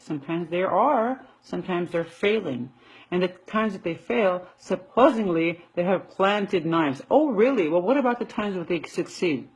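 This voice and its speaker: Husky-voiced American woman, emphatic and argumentative. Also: on the low side, rough recording. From United States. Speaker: online video commentator. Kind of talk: unscripted opinion monologue to camera.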